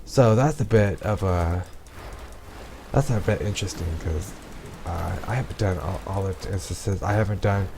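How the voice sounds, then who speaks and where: A man's voice: low-pitched, normal speed, vocal fry, noisy background. A man casually commentating his gameplay in a rambling way, with many ums and restarts, while losing his voice. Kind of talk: casual let's-play commentary.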